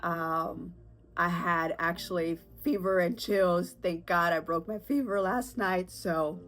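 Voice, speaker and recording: Speaking slowly in a lowish, fairly bright voice, a woman hosts her podcast alone despite being congested and sick with a sore throat. She's candid and chatty, rambling along with fillers and nervous laughter.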